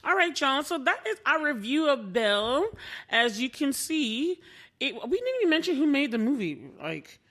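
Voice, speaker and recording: A woman's voice: high-pitched, sing-song, moderate pace, fairly bright tone. Chatty woman podcast host saying y'all. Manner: chatty, enthusiastic, says "y'all" a lot. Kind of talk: casual chat.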